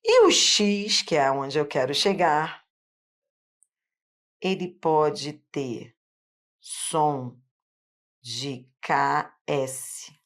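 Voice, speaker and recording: A woman's voice: low-pitched, sing-song, drawn-out words, long pauses, a bit bright. A woman teacher with a Carioca accent from Rio, patiently explaining a phonetics lesson step by step. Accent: Carioca Brazilian Portuguese. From Rio de Janeiro. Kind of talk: online phonetics lesson at a board.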